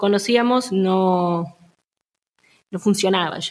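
A woman with an Argentine accent and fairly even intonation. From Argentina, Buenos Aires. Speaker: tour guide and art historian. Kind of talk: interview. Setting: in person, same room as host.

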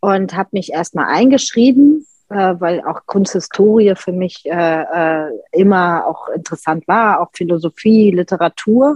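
The delivery moves at a fairly slow pace with ordinary pitch variation. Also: woman, medium pitch for a woman. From Ruhr area, Germany (Wetter). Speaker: costume and stage designer. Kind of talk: interview conversation. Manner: halting, many fillers.

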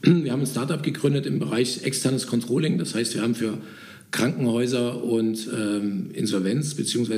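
Amid audible room echo, a man speaks at a moderate pace and medium pitch with ordinary pitch variation. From Saxony, Germany (near Bautzen). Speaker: IT company CEO. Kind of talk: interview.

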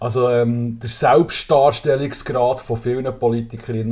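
A man's voice holds a medium pitch and a monotone, flat intonation. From Switzerland, Zurich area. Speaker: city councillor and club DJ. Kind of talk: casual interview.

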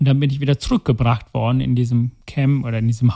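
Dry and close with no echo, the recording carries a man's dark, mellow, somewhat breathy tone. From Sri Lanka. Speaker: heart surgeon and author. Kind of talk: interview, personal life story.

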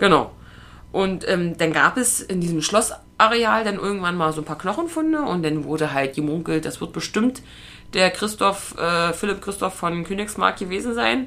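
A woman speaks in an animated tone at a moderate pace, her medium-pitched voice bright and sharp. Her intonation is lively. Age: 20s. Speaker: podcast co-host. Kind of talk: casual chat.

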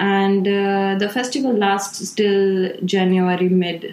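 Her intonation stays monotone and flat throughout as the woman speaks. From India, Gujarat. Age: 20s. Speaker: graduate student. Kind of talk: casual chat. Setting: sitting on kitchen floor at home.

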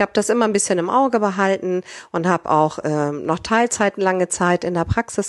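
A woman with a plain, everyday voice and a fairly low pitch speaks at a moderate pace with ordinary pitch variation, in a dry, close sound with no echo over a quiet background. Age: 50s. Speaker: mediator and practice consultant. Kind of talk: interview storytelling.

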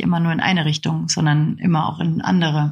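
A somewhat breathy woman talks at a fairly quick pace. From Germany, Nuremberg. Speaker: journalist and author. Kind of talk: interview.

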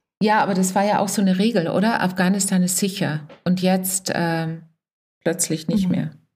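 A woman with a plain, everyday voice speaks at a moderate pace and a medium pitch. Her loudness stays very even and her intonation fairly even. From Germany. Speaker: playwright and writing teacher. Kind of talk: casual discussion.

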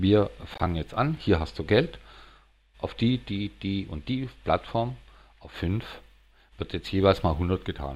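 The speaker talks fairly slowly with vocal fry and lively intonation. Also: man. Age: 50s. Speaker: self-employed restaurateur and private investor. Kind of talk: casual chat.

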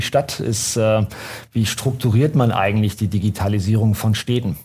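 This man's voice is somewhat breathy, with a dark, mellow tone. His pitch varies in an ordinary way. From Germany, Hannover. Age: 50s. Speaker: innovation consultant. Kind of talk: interview. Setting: venue in Hannover.

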